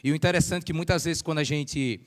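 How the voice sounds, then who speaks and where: A man preaching a sermon with a hoarse, deep voice like a radio announcer, chatting and joking with the congregation and calling for amens. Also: quick pace. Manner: chatty, jokes with the congregation, call-and-response amens. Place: church sanctuary. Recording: long hall reverb from church PA.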